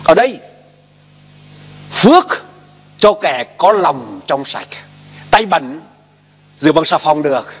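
A man's voice: on the high side, very animated, slow, gravelly, long pauses, slightly rough. A male pastor preaching a sermon emphatically, posing questions and asking the congregation to repeat after him. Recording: long hall reverb.

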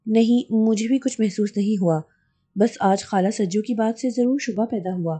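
A woman voicing a level-headed young wife in a horror audiobook who speaks calmly and confidently. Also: medium pitch, normal speed, slightly rough, close to an everyday voice. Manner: calm, confident.

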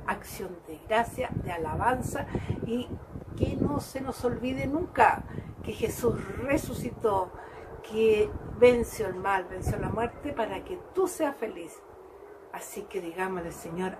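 A woman giving a devotional Gospel reflection, slow and fervent, calling her listeners brothers and sisters. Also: a little high, background noise. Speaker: lay preacher.

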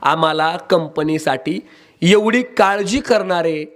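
A man voicing an older company boss who calmly explains why he chose a young applicant. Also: fairly high pitch, slow. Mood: approving.

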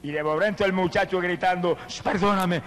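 A male evangelist preaching a fervent sermon with an altar call, swinging from hushed tones to loud exclamations. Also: fairly high pitch, a little fast.

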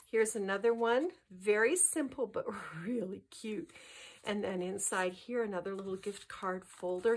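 A woman's voice: mid-range voice, slight background noise. A cheerful middle-aged woman casually chatting as she presents a craft kit at a table, upbeat and enthusiastic. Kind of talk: casual craft show-and-tell.

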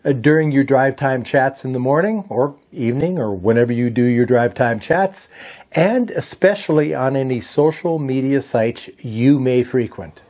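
An older American man in his sixties walks listeners through a software tutorial. He explains each step plainly and conversationally, with a medium-pitched voice. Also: normal speed. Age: older, around 60s. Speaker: video tutorial presenter.

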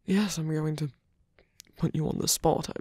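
A man playing a tender, teasing villain in an intimate ASMR roleplay, breathy and hesitant, often dropping to a whisper. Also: fairly high pitch, steady tone, no echo, clean studio sound. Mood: earnest, vulnerable. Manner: hesitant, halting, soft-spoken. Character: male villain, tender, teasing, smitten with rescuer. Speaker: voice actor.

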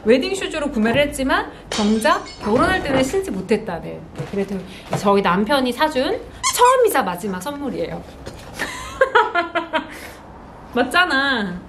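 A woman's voice: high-pitched, very animated, unhurried, noisy background. A woman in her thirties chatting casually and expressively to camera as a vlogger, showing off personal items with cute exclamations. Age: 30s. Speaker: vlogger, host. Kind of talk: casual product show-and-tell to camera. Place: bright small indoor room with sofa.

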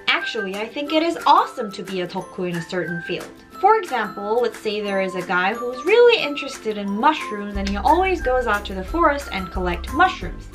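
A cheerful young woman from South Korea speaks with a Korean accent, a touch high in pitch, repeating slang terms for viewers to practise. She talks to the camera from a small room with soft music playing underneath. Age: young adult. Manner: bubbly, repeats words for practice, expressive hand gestures. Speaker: Korean language teacher and YouTuber. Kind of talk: upbeat vlog-style language lesson. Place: small indoor room in front of a plain wall. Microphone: camera framed at chest height.

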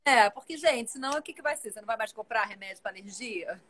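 A woman in her forties chats with animated energy over a video call from home. Her voice sits a little high for a woman, and she talks on in long, busy runs while gesturing. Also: fast talker, background noise. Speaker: actress, guest. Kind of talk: casual live video chat. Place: home room with plants and shelves.

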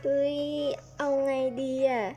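A woman's voice: slow, warm tone. A woman chatting playfully through a game role-play, hopping between little characters.

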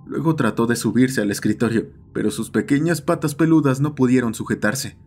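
A man's voice: medium pitch, a little fast, a little mellow. Male horror narrator over music. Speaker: narrator and host of a horror story channel. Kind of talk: scripted horror story narration. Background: background music.

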